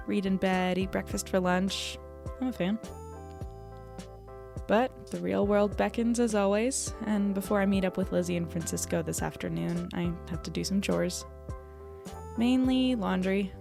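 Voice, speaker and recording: Woman acting creaky-voiced candid young journalist keeping an audio diary. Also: medium pitch, lightly acted. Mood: relaxed, wry. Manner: reflective, hesitant, wry. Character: candid, self-deprecating young female newspaper journalist, human newcomer. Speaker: lead actor and narrator of an audio drama. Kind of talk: confessional audio diary narration.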